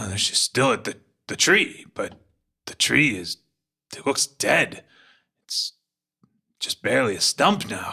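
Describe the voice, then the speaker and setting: Doing a raspy, put-on character voice at a medium pitch, a man speaks very slowly with long, frequent pauses in a dry, close sound with no echo. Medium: actual play. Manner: slow, rambling.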